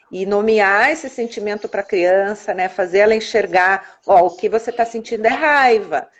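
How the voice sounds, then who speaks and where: A Brazilian woman chatting on a live video call, explaining things earnestly with frequent tag questions. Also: medium pitch. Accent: Brazilian Portuguese. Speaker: guest. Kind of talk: casual live-stream chat. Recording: dull lo-fi live-stream audio.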